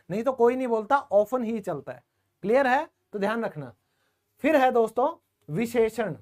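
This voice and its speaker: Joking, chatty male English teacher. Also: very high-pitched. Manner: colloquial, jokey, talks directly to students. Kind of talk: live online grammar class.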